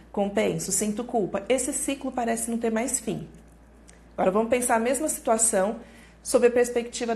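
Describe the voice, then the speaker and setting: A woman's voice: fairly high pitch, darkish tone. A woman with a Brazilian Portuguese accent hosting a live stream on parenting, explaining patiently, repeating key phrases and acting out example thoughts.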